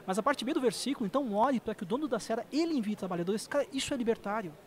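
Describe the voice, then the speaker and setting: A Brazilian man with a high-pitched voice tells stories as a guest on a podcast. He talks with feeling and comes out in quick bursts, his accent clear throughout. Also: animated. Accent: Brazilian Portuguese. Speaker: missionary guest. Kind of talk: podcast conversation.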